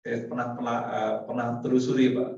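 Man preaching, chatty and lively, heavy echo, distant muffled recording. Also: mid-range voice, fairly quick. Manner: chatty, laughs often, acts out dialogue. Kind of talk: casual sermon to a congregation. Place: mosque hall. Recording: echoey hall from far off, dull sound.

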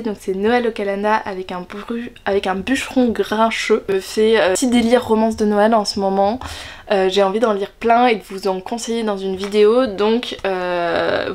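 A young woman in her twenties chatting casually about books she bought, hesitant and full of fillers but enthusiastic, filmed seated at a desk in a room with a bookshelf behind her. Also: medium pitch. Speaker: book vlogger. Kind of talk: casual book haul chat. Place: bedroom in front of a bookshelf, indoors.

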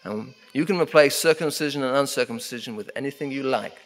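A middle-aged man preaches from a pulpit microphone, his voice carrying a long church reverb. He speaks at an ordinary pitch and leans hard on repeated phrases, slowing down to drive each one home. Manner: emphatic, repeating key phrases, slowing down for weight. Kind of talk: sermon. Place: church sanctuary at a wooden pulpit.

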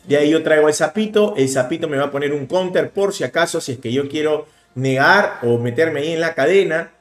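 A man in his thirties with a Peruvian Spanish accent, commentating a card game replay in a casual, animated way. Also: on the high side, reverberant, faint music behind. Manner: animated, explaining plays rapidly with bursts of emphasis. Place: indoor room, webcam overlay.

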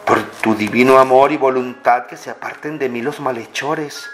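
A man leading a slow, fervent spoken prayer, pleading and pausing often. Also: medium pitch, fairly even intonation. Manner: pleading, fervent, many pauses. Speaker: prayer leader. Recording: clear music bed under the voice. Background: music.

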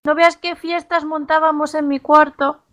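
Woman playing an unbothered, cheerful young woman with a high voice, improvised game roleplay. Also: level tone, a bit bright. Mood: playful, cheerful. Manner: cheerful, unbothered, quick exclamations. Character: carefree, playful young woman who delights in oddities.

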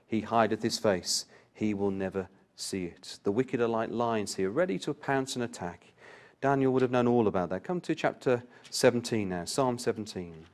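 A man's voice: on the low side, moderate pace, darkish tone. A man giving a Bible study talk, reading scripture aloud with rising emphasis and turning to the listeners with direct questions. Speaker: Bible class speaker.

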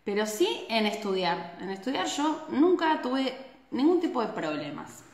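A woman's voice: on the high side, unhurried. Argentine woman chatting in echoey room. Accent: Argentine Spanish. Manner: chatty, frequent tag questions, animated hand gestures. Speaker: Ayurveda doctor hosting a live stream. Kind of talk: casual live-stream talk to viewers. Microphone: phone camera at arm's length.

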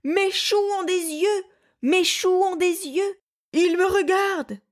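A woman's voice: medium pitch, animated, normal speed, darkish tone, natural voice. A woman voicing a big, gullible male bear who scares easily, with fussy, nervous exclamations. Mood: terrified.

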